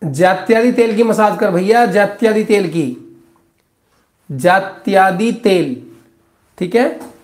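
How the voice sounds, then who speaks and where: A man in his thirties, speaking as a doctor answering viewer questions in a live stream. His voice sits high and his advice comes out blunt and scolding, and he calls his listeners brother and son. It's recorded on a phone close up in a small, echoey office. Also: takes it slowly, pauses often. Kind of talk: live Q&A consultation.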